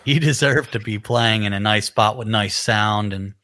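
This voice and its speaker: A man's voice: lowish voice, normal speed, sharp tone. A man with a nasal voice, a musician chatting casually on a live stream, rambling and laid-back with lots of fillers. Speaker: musician co-hosting a live chat. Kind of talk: casual chat.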